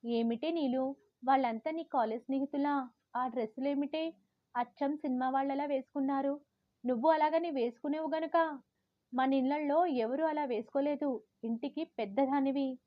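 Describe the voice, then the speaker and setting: A stern old grandmother lecturing in a raised, slightly high voice, as a woman reads her part. The sound is dry and a little dull, like a plain home recording. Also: normal speed, no echo, close to an everyday voice. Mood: scolding. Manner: scolding, lecturing.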